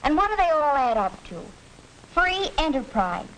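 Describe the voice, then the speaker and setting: A woman's voice: sits high, very animated, normal speed, a bit bright, poor audio. A confident schoolgirl debater. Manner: confident, lecturing. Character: confident female high school student debater. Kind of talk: 1940s educational film acting. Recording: hissy 1940s film soundtrack.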